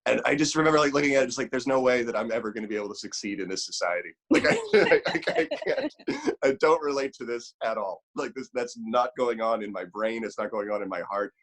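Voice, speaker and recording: A man in his forties co-hosting a podcast, rambling in casual chat with halting restarts and self-deprecating jokes. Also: mid-range voice, lively intonation, fairly bright tone. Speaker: podcast co-host.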